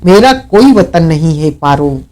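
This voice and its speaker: A vengeful, hot-tempered outlaw man who snarls and shouts his threats, as an audiobook narrator puts him on. The voice sits high and moves slowly and heavily, every word pressed out with menace. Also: animated. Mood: furious. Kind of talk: audiobook character reading.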